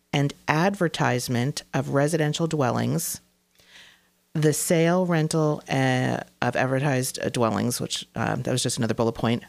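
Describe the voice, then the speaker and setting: A woman's voice: sits low, vocal fry, no echo. A middle-aged woman hosting a real estate show, explaining the rules in a casual way, full of ums and uhs. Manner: many fillers and hesitations.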